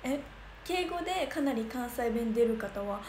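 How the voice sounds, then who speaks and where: A woman's voice: a little high, animated, measured pace. Bubbly young woman chatting on a stream. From Kansai region of Japan. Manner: chatty, bubbly, thinks aloud with many fillers. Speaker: idol livestreamer. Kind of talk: casual livestream chat reading comments. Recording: echoey room with noticeable noise.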